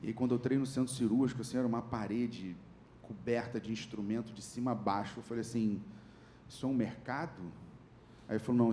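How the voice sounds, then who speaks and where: A man's voice: medium pitch, dark tone, slight background noise. A young Brazilian man giving a sermon testimony, telling a story and acting out the dialogue in it. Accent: Brazilian Portuguese. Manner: storytelling, acts out dialogue with rising voice. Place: church. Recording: echoey church hall with faint ambience.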